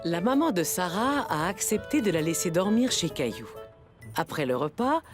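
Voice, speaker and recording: A woman as the gentle storybook narrator of a French children's cartoon, reading a scripted story. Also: lowish voice, big pitch swings, normal speed. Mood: gentle, storytelling. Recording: music behind the voice.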